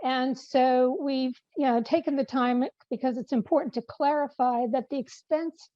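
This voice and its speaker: A high, mellow-voiced woman briefs a meeting over a video call, her voice wearing thin. She stops on fillers and restarts her sentences. The sound is dry and dull, like lo-fi call audio. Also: steady tone, normal speed. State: losing her voice. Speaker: policy presenter. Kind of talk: online meeting update.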